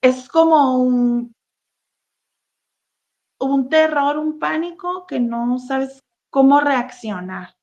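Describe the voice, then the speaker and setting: Woman, interview guest, halting testimony with fillers and restarts, slightly high voice, dull lo-fi audio. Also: a little mellow. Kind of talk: emotional personal testimony, casual talk. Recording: dull, lo-fi sound.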